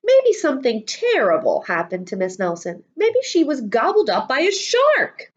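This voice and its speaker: A woman voicing excitable, mischievous elementary school children in a storybook. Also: sits high, normal speed, muffled recording, voice pushed up. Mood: anxious. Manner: exclaiming, childlike.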